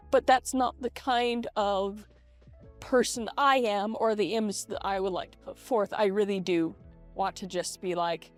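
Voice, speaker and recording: A middle-aged American woman talking candidly and hesitantly in a casual vlog, her voice run through a voice changer. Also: mid-range voice. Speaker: vlogger. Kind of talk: casual confessional vlog to camera. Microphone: webcam setup at a computer. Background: lo-fi game music.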